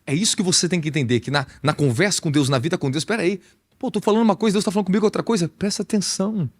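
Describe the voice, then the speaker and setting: A man preaching a sermon as an apostle, animated and conversational, with a Brazilian Portuguese accent and frequent rhetorical questions. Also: high-pitched, racing.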